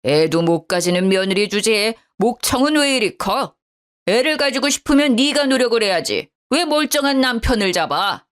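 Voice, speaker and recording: A woman voicing a harsh older father-in-law in a storybook drama, shouting contemptuously. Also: sits high, animated, a little slow, hardly any pauses, pitched above the performer's own voice.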